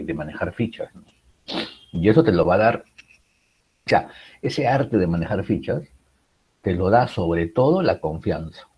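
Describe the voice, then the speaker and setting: A man's voice: low voice, husky, highs cut off. A man teaching a writing class, explaining public speaking with many rhetorical questions and fillers. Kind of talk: recorded class lecture.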